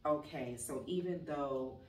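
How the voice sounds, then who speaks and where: Female host, measured questions, off-mic and echoey. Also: low-pitched, a little mellow. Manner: brief prompting replies, measured questions. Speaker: interviewer. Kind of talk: interview questions. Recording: distant mic, roomy, faint background noise.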